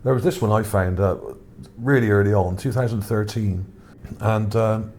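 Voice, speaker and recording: A man's voice: lowish voice, normal speed, a little mellow. A man giving casual, unscripted commentary on images for his video, musing and hesitant as he goes. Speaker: video narrator presenting own image finds. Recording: background noise under the voice.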